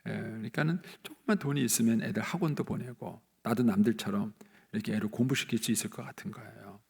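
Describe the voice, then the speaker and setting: A male pastor delivers a sermon in a church, his voice gravelly and slightly husky. He preaches in an animated storytelling way, acting out the people he quotes and leaping upward in pitch when he stresses a point. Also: quick pace. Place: church sanctuary.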